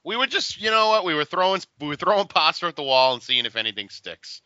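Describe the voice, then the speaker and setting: A man's voice: on the high side, big pitch swings, fast talker, bright, forceful tone, no echo, lo-fi sound. A man co-hosting a podcast in casual, joking banter, often breaking into his own sentences. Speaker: podcast co-host.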